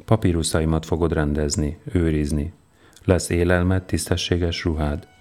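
A man voicing a stern, powerful older Roman governor in a storybook reading, with a measured, commanding manner. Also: very deep voice, flat delivery, a little mellow.

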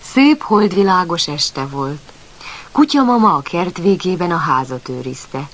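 Breathy, lively woman storyteller. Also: lowish voice. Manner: gentle, lively, expressive narration. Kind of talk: children's story reading.

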